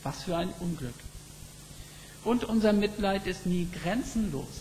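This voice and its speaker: A man preaching a sermon, reflective and slow, telling stories with emphatic pauses. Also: sits high, animated, darkish tone. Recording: long reverb with faint background noise.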